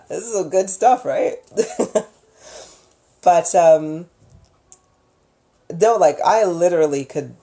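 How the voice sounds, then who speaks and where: A woman's voice: low voice, warm tone. A woman hosting a casual livestream, chatting informally and gushingly with viewers as a storyteller, using affectionate endearments. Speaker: livestream host, storyteller and psychic healer.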